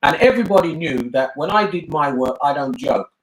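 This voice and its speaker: An older British man, a bishop who hosts family talks, speaks earnestly and emphatically in a casual family discussion, often repeating himself for emphasis. His voice sits on the high side, expressive and brisk. The recording is reverberant and of poor quality.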